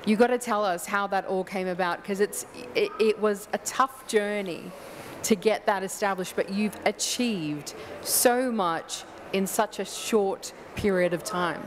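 A woman's voice: medium pitch, measured pace, slight background noise. A woman moderating a conference panel, encouraging a guest into his story through a desk microphone. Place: large conference hall stage. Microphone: desk microphone on a stand.

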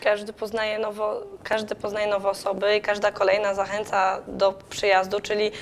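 Young woman, monotone, vocal fry, casual, studio guest. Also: mid-range voice, moderate pace, a little hiss or hum. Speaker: guest, student trip organizer.

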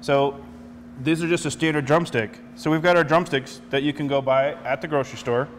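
A man's voice: fairly high pitch, fairly quick, big-room sound, slight background noise. A man in his forties, a chef walking through a cooking demonstration step by step in a studio kitchen. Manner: explanatory, steady step-by-step instructions.

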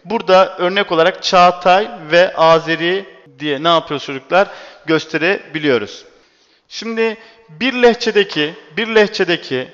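A man's voice: high-pitched, fairly bright tone. A male teacher giving an exam-prep lecture, repeatedly asking rhetorical questions and answering them himself. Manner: quizzing with rhetorical questions, repetitive. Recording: dull echoey classroom recording.

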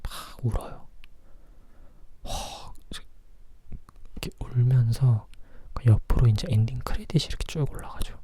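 A person whispering softly and closely in a chatty ASMR style, like a reviewer sharing thoughts. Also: mid-range voice, normal speed, long pauses. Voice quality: breathy, husky whisper. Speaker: film review vlogger.

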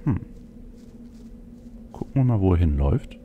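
A man's voice: low voice, very animated, normal speed, phone-quality sound, a little hiss or hum. A man giving casual video game commentary as a let's play host, thinking aloud as he goes. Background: faint game ambience.

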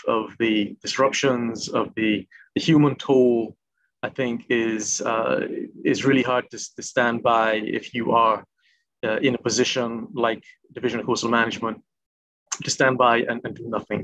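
A middle-aged man from Trinidad and Tobago giving a conversational panel answer, haltingly repeating words, on a video call. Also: mid-range voice, a bit bright. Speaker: panelist, coastal policy manager. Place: room at home, indoors. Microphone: laptop video call. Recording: slightly dull video-call audio.

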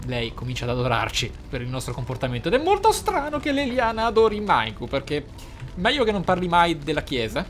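A man giving casual, excitable playthrough commentary, often thinking aloud. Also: a little high, fairly quick. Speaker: gaming channel host. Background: game music.

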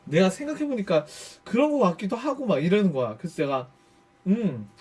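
Animated high-voiced man telling a story. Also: fairly quick, breathy edge. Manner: animated, swears freely, acts out quoted speech. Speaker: YouTuber storyteller. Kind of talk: casual storytelling stream.

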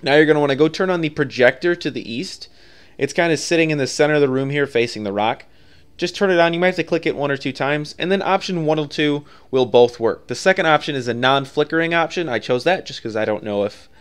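Male guide narrator, clean smooth voice, casual step-by-step delivery, music underneath. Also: fairly high pitch, quick pace. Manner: informal, offhand, conversational. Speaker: video game guide creator.

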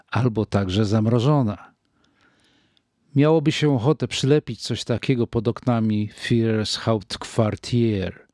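An older man reading a wartime diary aloud in a measured, grave manner, with deliberate pauses. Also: fairly low pitch, a little mellow, dry recording, studio quality. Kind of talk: slow reflective diary reading.

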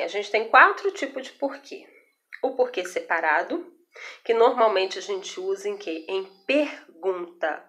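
A woman's voice: medium pitch, fairly bright tone. A young Brazilian woman teacher explaining a grammar lesson in a recorded video, patiently and with frequent check-ins to her students. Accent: Brazilian Portuguese. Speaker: Portuguese teacher.

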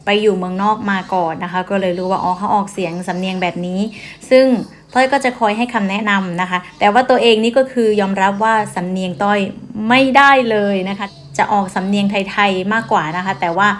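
A woman's voice: mid-range voice, a little fast, hardly any pauses, slight background noise. A woman chatting patiently and politely to her viewers from a car. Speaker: vlogger. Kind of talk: casual chat to camera.

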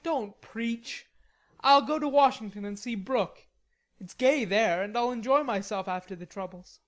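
A woman's voice: on the high side, unhurried, voice pushed up, lightly acted. A woman voicing an indignant, stubborn teenage boy in a storybook, petulant and blustering. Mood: sulky, defiant. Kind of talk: storybook character dialogue.

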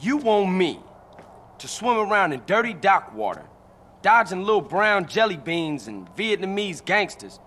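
A skeptical young street guy in a game: sarcastic drawl, slow, with a lot of pitch swing. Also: very animated, fairly bright tone, breathy edge, full character voice. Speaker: game protagonist.

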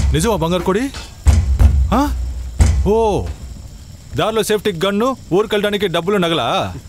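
An actor playing a domineering forest tribal chief who mocks and commands others, in film dialogue. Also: male voice, high voice, slight background noise. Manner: mocking laughter, commanding orders. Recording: film soundtrack with music underneath.

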